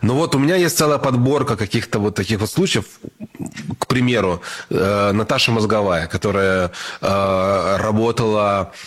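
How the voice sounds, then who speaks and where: A man in his thirties hosting a podcast, asking measured questions and sometimes stumbling over words; his first language is Hebrew. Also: lowish voice. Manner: measured, questioning, some stammering. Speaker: podcast host. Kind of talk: podcast interview.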